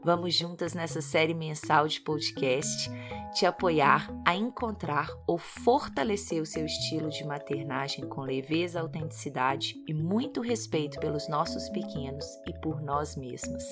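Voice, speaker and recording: A woman with a Minas Gerais accent hosts a podcast in a low, calm voice. She talks in a measured, gentle way, close to the mic. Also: over loud music. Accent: Minas Gerais Brazilian Portuguese. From Minas Gerais, Brazil. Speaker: podcast co-host, psychologist. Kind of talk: podcast introduction.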